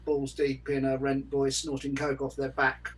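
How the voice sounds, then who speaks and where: Husky guy on a panel chatting casually, dry wit, sounds a little way from the mic. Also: mid-range voice, completely flat delivery, moderate pace, recorded from a distance. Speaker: podcast panelist. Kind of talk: casual discussion.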